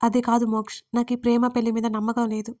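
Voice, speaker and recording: A woman's voice: fairly high pitch, monotone, quick pace, darkish tone, recorded from a distance, lightly acted. A woman voicing a guarded young woman torn about love in a romantic audio story, with a pleading manner. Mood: tearful doubting.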